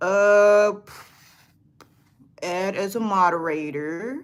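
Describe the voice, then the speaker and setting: A woman speaks at a medium pitch. She has an American accent. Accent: Southern US, thicker around family. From US South, Georgia. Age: 20s. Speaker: hair and lifestyle vlogger. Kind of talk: casual livestream chat. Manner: casual, chatty.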